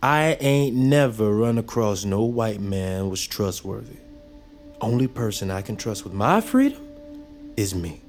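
A wary young apprentice. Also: male voice, on the low side, sing-song, unhurried, a little mellow, soft background music. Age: young adult. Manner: distrustful, blunt. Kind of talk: audio drama.

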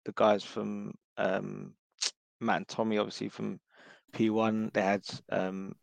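A hoarse man with a low, gravelly voice rambles through his thoughts on a podcast panel, with plenty of fillers and restarts. The sound is dry and close. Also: little pitch movement, measured pace, dry recording, lo-fi sound. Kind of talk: casual chat.

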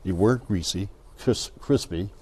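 A man with a very low voice reviews restaurants on a panel, enthusiastic and often restarting mid-sentence. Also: moderate pace, warm tone, slightly rough. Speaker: show panelist.

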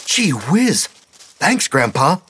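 A man voicing an eager young boy scout, talking high and breathless. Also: a little fast, slight background noise, natural voice.

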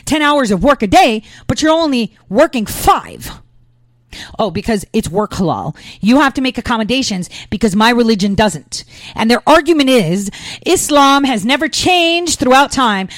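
Emphatic American woman, fairly high voice. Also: no room sound. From United States. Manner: emphatic, uses many fillers and rhetorical questions. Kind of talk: political commentary.

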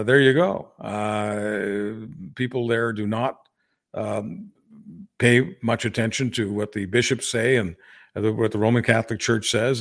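An older man born in Hungary, co-hosting a political podcast, speaking earnestly and often restarting his phrases. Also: lowish voice. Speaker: podcast co-host. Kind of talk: casual political discussion.

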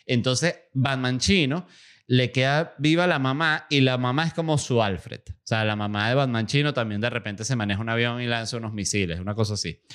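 A man's voice: medium pitch, a little fast, fairly bright tone, clean tone. A man hosting a podcast, rambling through a casual comedic monologue full of fillers and self-corrections. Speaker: podcast host.

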